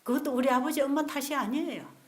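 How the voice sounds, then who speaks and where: A woman's voice: high voice, fast talker. A middle-aged woman with a Gyeongsang Korean accent, preaching a sermon who asks her listeners questions and answers them herself, sometimes dropping to a near whisper. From Gyeongsang region, Korea. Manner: drops to soft, near-whispered phrases. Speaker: preacher at a medical mission seminar.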